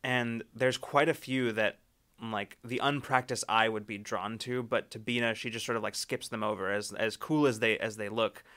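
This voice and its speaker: A man's voice: fairly low pitch, fairly even intonation, normal speed, fairly bright tone. A man narrating as game master of a tabletop game, rambling with fillers and restarts.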